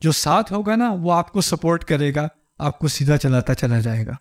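A man's voice: on the high side, lively intonation, moderate pace. A man giving a conversational religious lecture, explaining patiently and quoting Quranic Arabic. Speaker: Islamic lecturer.

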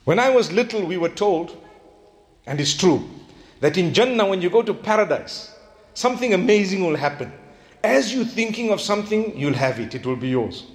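A man preaching an Islamic sermon. He tells stories animatedly, acts out bits of dialogue and slows down to stress his key points. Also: high voice. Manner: animated storytelling, acting out quoted dialogue.

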